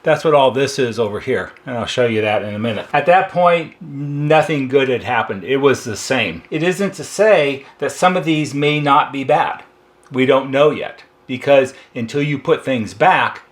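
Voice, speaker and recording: An American man with a mid-range voice talks through a hands-on technical repair. He explains it step by step in an informal, conversational way, like a technician showing his work. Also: mid-range voice. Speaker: electronics repair technician demonstrating.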